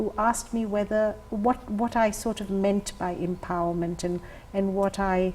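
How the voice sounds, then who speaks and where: A woman speaks at a medium pitch, somewhat breathy, with a dark, mellow tone. Her intonation stays fairly even. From India. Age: 50s. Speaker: artist. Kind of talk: interview. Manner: halting.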